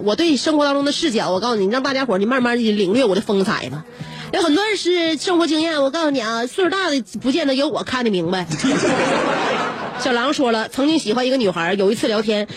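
A woman radio host, reading listener messages on air. She has a fairly high voice and a playful, teasing manner, breaking into laughter often. Faint music plays beneath her. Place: radio studio.

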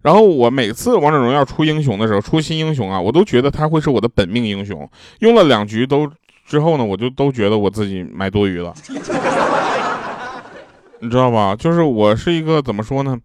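A man's voice: medium pitch, lively intonation, fairly quick, darkish tone. Man chatting through funny stories. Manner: chatty storyteller, laughs at his own punchlines; casual slangy asides to the listener. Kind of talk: telling jokes and funny anecdotes.

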